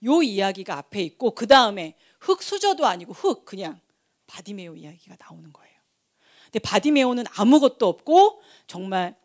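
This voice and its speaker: A woman preaching a sermon, telling a Bible story with lively acted-out shouts and quoted dialogue. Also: mid-range voice.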